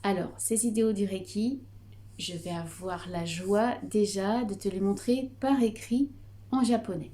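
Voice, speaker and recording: A middle-aged woman with a Breton French accent explains a Reiki teaching in an unhurried, hesitant way, pausing often on fillers. Her voice is soft and dark-toned, sitting at an ordinary pitch for a woman. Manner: calm, hesitant with frequent fillers. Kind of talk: explanatory video lesson.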